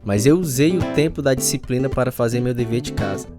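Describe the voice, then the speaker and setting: Male radio-drama narrator actor, mid-pitched, recounting a mischievous schoolboy past over prominent music. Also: brisk, close to an everyday voice. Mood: reflective. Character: man recalling his mischievous, sporty schoolboy youth.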